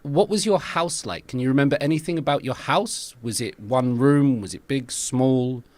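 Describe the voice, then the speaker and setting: A man's voice: mid-range voice, moderate pace, a little mellow, dry recording. Curious male podcast interviewer. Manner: curious, encouraging questions. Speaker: podcast host.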